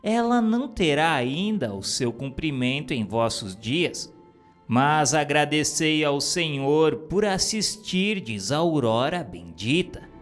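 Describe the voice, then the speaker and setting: Guy reading solemn spiritual stuff, slow n preachy, pitch moves a lot, music behind him. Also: very animated. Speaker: narrator.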